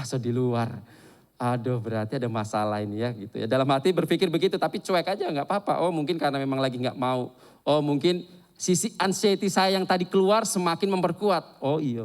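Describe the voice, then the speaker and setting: Speaking in a fairly high pitch, this male preacher delivers a sermon that turns into an animated, confessional account of something personal.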